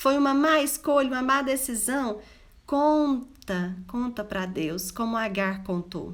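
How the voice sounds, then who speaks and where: A woman speaks with a Goiás accent, high in pitch and animated in tone. She goes at a fairly slow pace with ordinary pitch variation. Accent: Goiás Brazilian Portuguese (goianês). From Brazil, Goiás. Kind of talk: live-streamed devotional talk.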